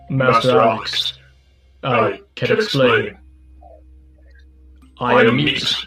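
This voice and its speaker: A man's robotic, put-on character voice at medium pitch, very slow and full of long, frequent pauses, with faint music in the background. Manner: mechanical.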